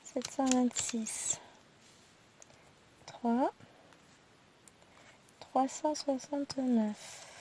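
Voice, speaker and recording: Slow-counting woman with a stuffy nose. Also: on the high side, a little hiss or hum. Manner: slow, quiet counting, chatty asides. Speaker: cross-stitch YouTuber. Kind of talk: casual haul video, counting thread skeins.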